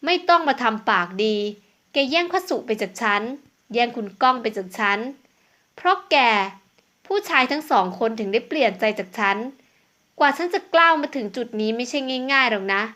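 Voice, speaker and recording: A woman's voice: sits high, animated, moderate pace, sharp tone. A woman voicing a cruel, jealous young woman villain who sneers and taunts. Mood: taunting.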